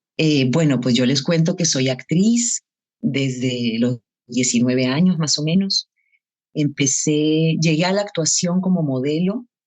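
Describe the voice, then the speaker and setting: With lively intonation, a woman talks at a fairly slow pace and at a very even loudness. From Peru, Lima. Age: 40s. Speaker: actress. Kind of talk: podcast interview. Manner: hesitant, many fillers.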